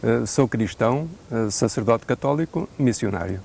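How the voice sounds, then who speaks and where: Portuguese priest with a gravelly voice. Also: male voice, mid-range voice, expressive, darkish tone, a little hiss or hum. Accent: European Portuguese. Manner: measured, thoughtful, with hesitant fillers and a dry joke now and then. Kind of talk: unscripted interview answers.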